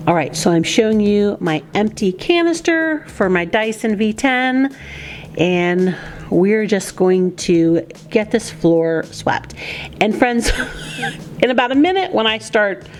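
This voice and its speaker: A woman's voice: medium pitch, darkish tone, a little hiss or hum. A woman in her fifties, a stay-at-home mom chatting casually to her viewers as friends while cleaning her home. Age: 50s. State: out of breath. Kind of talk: casual clean-with-me voice-over chat.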